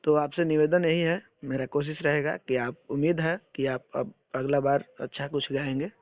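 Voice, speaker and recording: A man's voice: a little high, fairly even intonation, normal speed, dry recording. A man conducting an informal phone interview, questioning persistently in an admonishing manner. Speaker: interviewer for an entertainment channel. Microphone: phone call. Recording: tinny phone call recording.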